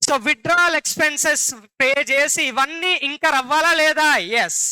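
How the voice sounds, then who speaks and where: A man's voice: extremely high pitch, fairly even intonation, slow, sharp tone, dry recording, low-quality recording. A man with a Telugu accent teaching a classroom lecture, often repeating questions and calling on his students for answers.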